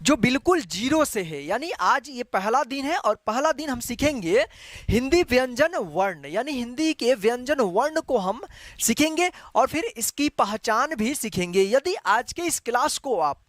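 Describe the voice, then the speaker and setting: A man's voice: extremely high pitch, big pitch swings, measured pace, fairly bright tone, dry recording, clean studio sound. A man teaching an online Hindi lesson, patient and repetitive, often leaning on the same small filler phrase. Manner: patient, repeats each letter several times; habitual filler "jo hai". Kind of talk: slow online language lesson.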